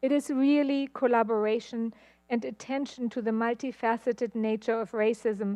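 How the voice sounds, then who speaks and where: Against a quiet background, a woman with a German accent speaks at a fairly slow pace in a fairly high pitch, her tone dark and mellow and her intonation fairly even. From Germany. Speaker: university administrator and historian. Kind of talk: formal event introduction. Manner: formal.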